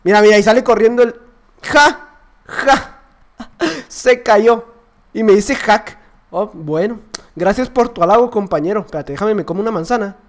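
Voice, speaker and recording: Un joven con acento latinoamericano que comenta sus partidas con emoción, grita cuando pierde y murmura entre jugadas. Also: male voice, high voice, normal speed. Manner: excitable, yells at sudden deaths then drops to mutters. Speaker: gaming youtuber. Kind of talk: gameplay commentary.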